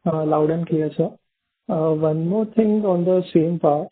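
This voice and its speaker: Husky male analyst on phone. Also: on the high side, a little slow. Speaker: analyst asking questions. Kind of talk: polite call questioning. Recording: narrow telephone line.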